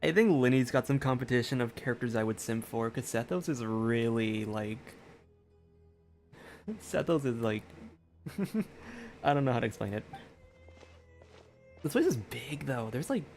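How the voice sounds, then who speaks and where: A man's voice: medium pitch, animated, moderate pace, pauses often, darkish tone, faint music behind. A man giving casual, enthusiastic, slangy commentary as a gaming streamer. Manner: slangy, rambling.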